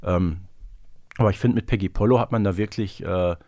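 A man's voice: low voice, brisk, darkish tone, no room sound, studio quality. A man speaking conversationally as a podcast host in a fan discussion.

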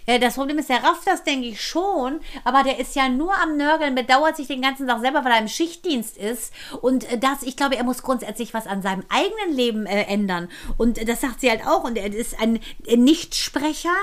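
A woman co-hosting a podcast, chatting casually and telling an animated story, acting out the quoted lines and laughing often. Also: high-pitched, brisk, few pauses. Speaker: podcast co-host. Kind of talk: casual chat.

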